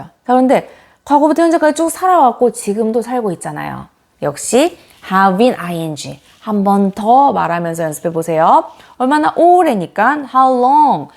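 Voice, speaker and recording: Korean woman English teacher, animated pitch, patient and encouraging drills. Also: creaky. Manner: lively, encouraging, drills sentences slowly and repeats them. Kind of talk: online English lesson.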